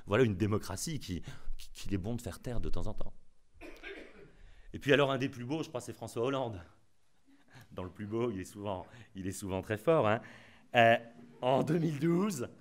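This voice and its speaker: Man speaking at a conference, ironic, emphatic, repeats key phrases, lively swinging pitch. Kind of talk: lecture at a conference.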